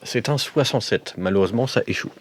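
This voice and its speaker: A man's voice: lowish voice, fast talker, noisy background. A man playing a tabletop game, chatting casually and joking playfully. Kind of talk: casual improvised game banter.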